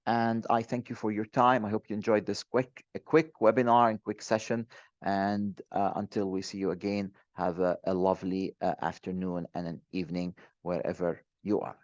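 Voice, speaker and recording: A man with a very low voice presents an online training webinar. He talks hesitantly, full of fillers and restarts. The sound is dry and a bit dull, from a computer mic. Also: flat delivery, normal speed, no room sound.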